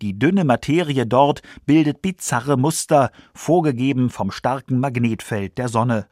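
A man's voice: medium pitch, unhurried, a little mellow, no room sound, studio quality. A man reading scripted science documentary narration for a radio feature.

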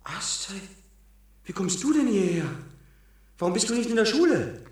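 An actor playing an agitated young man reliving a dream, pleading with a husky voice in a 1970s radio drama. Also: sits high, very animated, normal speed, darkish tone, exaggerated voice. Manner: pleading, urgent. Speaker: protagonist.

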